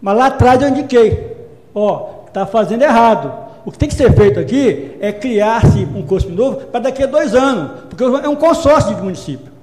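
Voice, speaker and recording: A man's voice: high voice, darkish tone. A man, a city councillor, giving a formal floor speech in a council chamber and earnestly repeating his position. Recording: echoey hall with long reverb.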